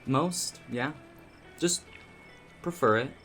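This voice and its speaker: A performer playing a gentle, exasperated young barista cryptid in an audio drama, with mild exclamations and a wry, chatty manner. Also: medium pitch, takes it slowly, soft background music.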